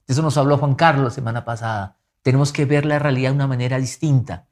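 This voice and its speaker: Earnest pastor preaching. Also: male voice, medium pitch, quick pace. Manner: earnest, emphatic preaching with lively rises and soft drops. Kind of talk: sermon.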